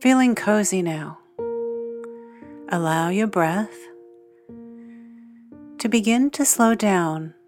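A woman guiding a sleep meditation in a soothing, hushed, measured manner with long pauses between phrases. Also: medium pitch, expressive. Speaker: meditation guide, podcast host. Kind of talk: guided sleep meditation narration. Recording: music under the voice. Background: soft guitar and piano music.

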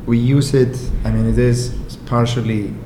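A relaxed, wry middle-aged man whose native language is Icelandic. He speaks in English as an interview guest, joking at his own expense. His voice sits at a medium pitch in a roomy space with a clear background hum. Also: moderate pace. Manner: relaxed, wry, self-deprecating, laughs often. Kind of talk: casual conversational interview.

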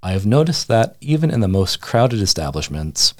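A man reading a humorous essay aloud with a wry, deadpan, mock-serious delivery. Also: fairly low pitch, normal speed, no echo, studio quality. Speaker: radio essayist.

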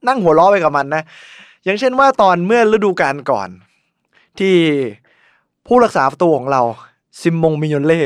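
A young man chatting casually as a podcast co-host, an animated storyteller who laughs often. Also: high-pitched, moderate pace, long pauses, smooth, no room sound, studio quality. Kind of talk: casual chat about a football documentary.

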